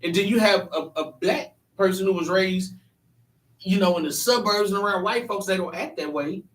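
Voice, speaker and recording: A man's voice: high voice, moderate pace, a bit bright. A man hosting a church panel discussion, talking earnestly and emphatically, often restarting his sentences. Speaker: panel host. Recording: echoey room, mic at a distance.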